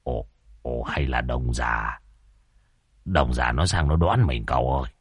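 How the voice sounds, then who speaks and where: Man voicing a gruff old exorcist, impatient grumble, very low quiet voice. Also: a little slow, no echo, heavily acted. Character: impatient, excitable older male ghost-hunting master.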